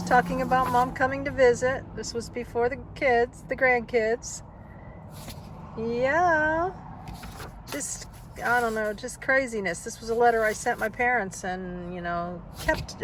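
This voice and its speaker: A woman's voice: fairly high pitch, fairly bright tone, a little hiss or hum, rough recording. An older woman in a casual vlog, reminiscing and reading aloud in a wistful, rambling, reflective way. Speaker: vlogger. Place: inside a parked car.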